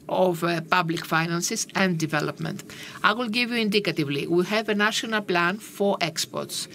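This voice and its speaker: A woman giving simultaneous interpretation of a panel discussion, with a halting, measured delivery and frequent pauses. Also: fairly low pitch, a bit bright, slight background noise. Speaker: conference interpreter.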